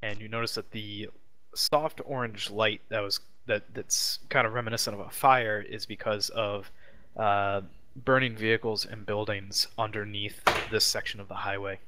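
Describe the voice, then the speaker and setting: Male game master, low-ish forceful voice, halting improvised scene description. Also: steady tone. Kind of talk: improvised narration of a tabletop game.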